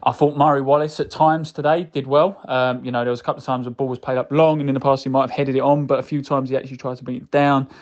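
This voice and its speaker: A man's voice: medium pitch, flat delivery, fast talker, few pauses. A man leaving a casual, rambling voice message of football reaction, addressing the listener directly. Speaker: fan calling in with a voicemail. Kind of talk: casual match reaction monologue. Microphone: recorded voicemail message. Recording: dull lo-fi voice message.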